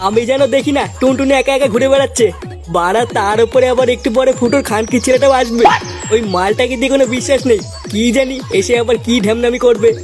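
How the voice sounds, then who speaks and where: A man's voice: very high voice, fairly even intonation, fast, over music. A man voicing a bad-tempered, foul-mouthed father who bosses and scolds everyone in a comic cartoon. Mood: stern, wary. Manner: scolding, swearing constantly.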